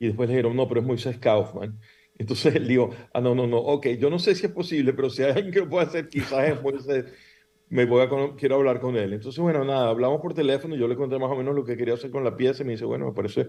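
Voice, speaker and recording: With a dark, mellow tone and medium pitch, a man talks at a very fast pace with ordinary pitch variation. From Venezuela. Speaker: theatre director and playwright. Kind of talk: interview. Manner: halting.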